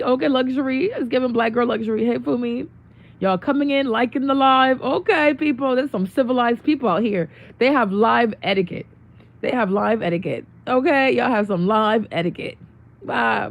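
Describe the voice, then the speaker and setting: A young woman with a worn-out, hoarse voice chatting casually with viewers on her livestream, greeting them and laughing often. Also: medium pitch. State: losing her voice. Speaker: livestream host. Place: home room.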